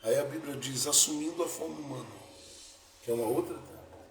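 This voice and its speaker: A man preaching a sermon as pastor, building to emphatic peaks and then dropping soft. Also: on the high side, fast talker, slight background noise. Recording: echoey room, faint ambience.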